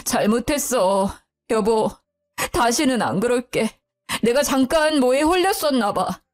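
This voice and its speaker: A woman voicing a cowardly young husband who pleads slowly, in a spoken story. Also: a little high, expressive, voice pushed up. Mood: pleading.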